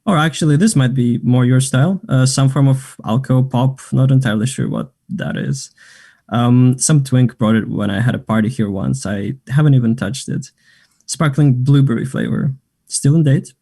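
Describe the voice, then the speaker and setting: A man's voice: medium pitch, expressive, moderate pace, vocal fry, dark tone. A man acting a flirtatious, self-assured gay man in a naturalistic table read of a play, chatty and teasing. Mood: friendly, chatty.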